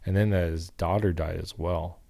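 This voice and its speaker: A man's voice: low voice, fairly even intonation, normal speed, vocal fry, mellow. A young man co-hosting a podcast, talking casually and rambling, with many fillers and restarts. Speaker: podcast co-host. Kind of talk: casual chat.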